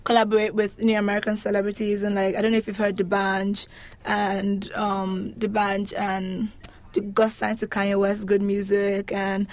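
A young woman from Lagos speaks with a Nigerian accent in a relaxed interview. She is chatty and expressive, answering with a humorous touch. Her pitch sits in an ordinary range for a woman. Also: normal speed. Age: young adult. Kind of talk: casual interview chat.

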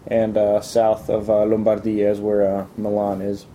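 A man's voice: on the low side, completely flat delivery, normal speed, mellow, a little hiss or hum. A young man from Italy answering interview questions, hesitant, with many ums and restarts.

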